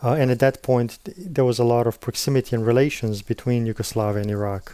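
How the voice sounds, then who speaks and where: A man in his thirties, a native Slovenian speaker, talks reflectively in an interview. His voice is mellow and clean, recorded close and dry. He hedges and checks in with the listener often. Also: medium pitch, level tone, fast, clean tone, no echo. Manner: thoughtful, hedging, often adds "right?" and "in all honesty". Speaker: interview guest.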